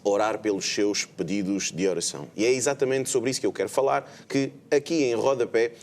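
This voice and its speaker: A man's voice: fairly low pitch, a little fast, darkish tone. A man with a European Portuguese accent hosting a live religious TV program, talking with many hesitant filler sounds. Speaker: host.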